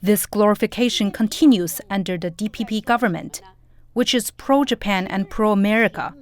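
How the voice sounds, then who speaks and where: A woman reading an English voice-over translation with a steady, even delivery. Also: mid-range voice. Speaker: interpreter voice-over.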